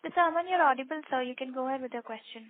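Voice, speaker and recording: Brisk woman moderating by phone. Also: high voice. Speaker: conference call moderator. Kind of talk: scripted call moderation. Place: conference phone call. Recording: tinny phone line, faint noise.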